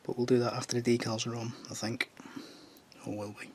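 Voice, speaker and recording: A man with a Northern English accent talks through his model painting in a relaxed, chatty way. His voice is husky and slightly strained, as if still getting over a throat illness. It sits at an ordinary middle pitch. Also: fairly quick. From Northern England. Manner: chatty, jokey asides while working. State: recovering from tonsillitis, voice strained. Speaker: scale model builder. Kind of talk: casual tutorial while painting a model.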